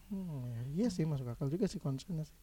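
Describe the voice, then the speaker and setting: A man co-hosting a casual chat, firing off eager, animated questions. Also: a little high, fast, a crowd in the background. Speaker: co-host.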